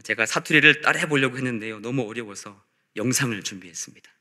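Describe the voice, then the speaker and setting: Piercingly bright-voiced man preaching. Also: mid-range voice, fast. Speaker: pastor. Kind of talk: sermon. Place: church service.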